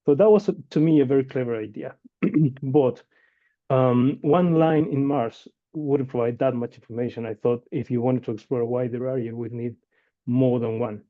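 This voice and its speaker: A man's voice: medium pitch, moderate pace. A man in his forties from Chile, an inventor and founder giving a webinar presentation in a conversational way with many fillers and restarts, heard over a video call. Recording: dull lo-fi video call audio.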